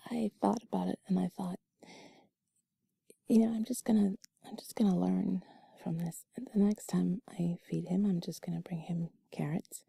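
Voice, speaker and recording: A woman telling a personal story in an intimate, cuddly, breathy whisper, soft, rambling and confiding, as if to one listener. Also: fairly low pitch, fairly even intonation, moderate pace, dry recording, studio quality. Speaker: intimate audio creator.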